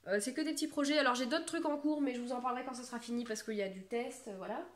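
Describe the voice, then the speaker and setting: A woman's voice: on the high side, racing. A woman in her thirties from France, chatting casually to camera about her knitting, rambling and self-mocking with lots of fillers. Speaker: knitting vlogger.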